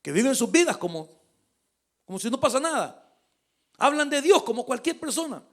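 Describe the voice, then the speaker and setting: A man preaching a lively, conversational sermon as pastor. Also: very high voice, moderate pace.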